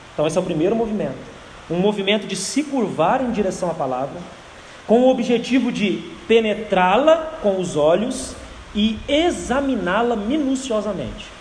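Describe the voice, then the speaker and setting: A man's high-pitched voice with lively intonation and long, frequent pauses, amid noticeable background noise and audible room echo. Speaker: bible teacher. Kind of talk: sermon. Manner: fast; animated.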